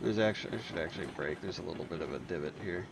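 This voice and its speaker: A man's voice over noticeable background noise. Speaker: gaming YouTuber. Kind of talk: gameplay commentary. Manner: casual with frequent filler words. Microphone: old gaming headset mic, poor audio quality.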